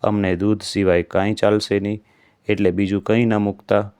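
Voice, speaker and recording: A man voicing a kind, motherly female cobra goddess in a devotional storybook, speaking gently and soothingly in a low, flat tone. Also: moderate pace, clean tone, no room sound, studio quality, close to an everyday voice. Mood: consoling.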